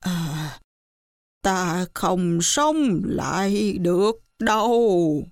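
A woman's voice: mid-range voice, expressive, drawn-out words, darkish tone, no room sound, studio quality. A woman voicing a monkey pilgrim who fakes the grave, accusing voice of a dead squire. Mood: eerie accusing.

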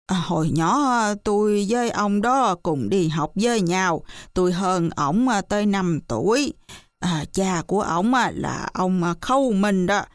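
An old villager rambles hesitantly, filling every pause with drawn-out sounds, as a woman acts him out. The pace is very slow. The sound is dry and close. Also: medium pitch, no room sound. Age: older. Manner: hesitant, full of drawn-out fillers.

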